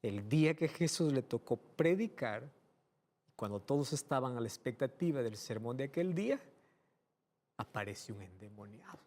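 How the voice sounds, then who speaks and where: Male preacher, lively swooping delivery, gravelly voice, rhetorical questions. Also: medium pitch, normal speed. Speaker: pastor. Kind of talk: sermon.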